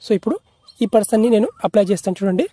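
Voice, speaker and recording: Very fast-talking man, mellow voice. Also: high-pitched, animated, dry recording, studio quality. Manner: repetitive, instructional, mixing in English tech terms. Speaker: tech tutorial host. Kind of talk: screen-recorded app tutorial narration.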